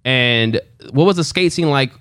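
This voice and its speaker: A man's voice: mid-range voice, expressive, a little slow, fairly bright tone, clear, resonant tone, no room sound, clean studio sound. A man hosting a podcast, laid-back and enthusiastic, with lots of casual slang. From Los Angeles. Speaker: podcast host.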